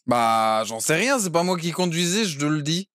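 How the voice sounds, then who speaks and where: Brief: male roleplayer, defiant and crude joker, higher voice, dry recording. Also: sing-song, moderate pace, fairly bright tone, no room sound. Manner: cheeky, vulgar, keeps saying "carrément". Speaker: roleplay player as a defendant. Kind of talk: crude joking roleplay in court.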